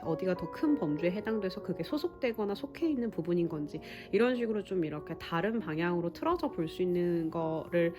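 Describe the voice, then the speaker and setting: A woman who directs a Pilates studio, talking reflectively to fellow instructors in a measured way, pausing and correcting herself as she thinks aloud. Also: lowish voice. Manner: thoughtful, measured, with frequent pauses and self-corrections. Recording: music playing clearly under the voice.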